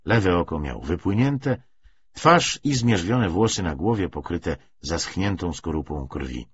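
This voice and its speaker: A man narrates a novel in a fairly low, husky voice. His reading of the literary prose moves expressively up and down in pitch. The audio is a little dull. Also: lively intonation, unhurried.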